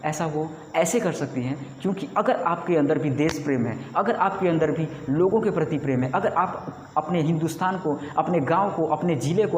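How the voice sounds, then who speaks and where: A man's voice: fairly high pitch, a little mellow, a little hiss or hum. Emphatic young man in an echoey room. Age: 20s. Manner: rhetorical, asks and answers his own questions; emphatic repetition, drawn-out phrases. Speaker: YouTube creator. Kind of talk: motivational storytelling to camera. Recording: echoey room with long reverb.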